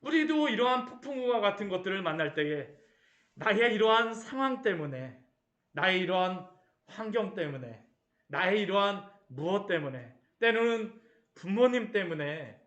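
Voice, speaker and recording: Male pastor, lively high voice, roomy church echo, rhetorical sermon style. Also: dull audio. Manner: rhetorical questions, acts out the disciples' cries.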